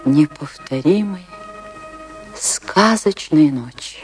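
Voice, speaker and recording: A woman's voice: low voice, lively intonation, darkish tone. An actress playing a romantic, anguished woman dancer who tells her tragic love story in a theatrical, emotive radio monologue. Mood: nostalgic, tender. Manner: theatrical, wistful, emotive delivery with dramatic pauses. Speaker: actress narrating a radio play. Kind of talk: dramatic first-person radio play monologue. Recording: radio play with music behind.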